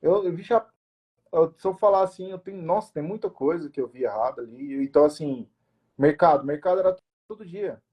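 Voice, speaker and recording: A man's voice: a little high, fairly quick, breathy edge, muffled recording. A young man who owns a family restaurant, telling his story in an interview in a casual, emotional way, with many restarts and quoted self-talk. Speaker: restaurant owner, interview guest.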